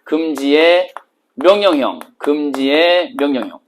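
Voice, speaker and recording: A man's voice: fairly high pitch, animated, takes it slowly, a little hiss or hum. A middle-aged man teaching literature for an exam, joking and firing rhetorical questions at his students. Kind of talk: exam-prep lecture.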